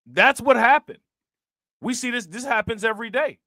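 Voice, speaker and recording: Guy on a stream reacting to news, high bright voice, jokey, keeps repeating himself, dry sound. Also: normal speed, no room sound. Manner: joking, laughing, repeats himself, reads chat shout-outs. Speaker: livestream host reacting to news clip. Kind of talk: casual reaction commentary.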